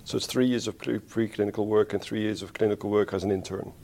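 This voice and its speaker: A man from the Netherlands, a spine surgeon being interviewed, who talks in a thoughtful, unhurried way and corrects himself as he goes. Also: fairly low pitch, steady tone, darkish tone. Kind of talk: conversational interview.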